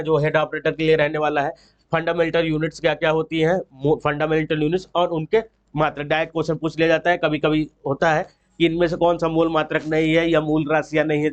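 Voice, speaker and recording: A man presenting an exam-prep book walkthrough in an informal, explanatory way, mixing in English terms. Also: on the high side. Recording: dull, lo-fi sound.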